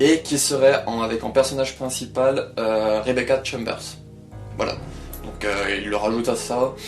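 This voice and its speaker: Over background music, a man speaks fairly slowly at a medium pitch, his intonation fairly even. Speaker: gaming news YouTuber. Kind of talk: casual talk to camera. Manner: hesitant, many filler words.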